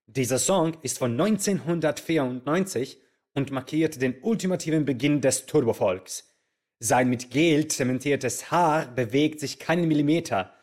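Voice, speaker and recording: A man playing a showy, chatty Yugoslav radio host who charms and coaxes his listeners in a theatrical show. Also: fairly high pitch. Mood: narrating.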